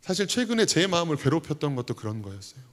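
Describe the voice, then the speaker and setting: A man's voice: fairly high pitch, very animated, fast. A man in his thirties, an associate pastor, preaching a conversational sermon with prayers voiced aloud. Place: church sanctuary. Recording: long church reverb.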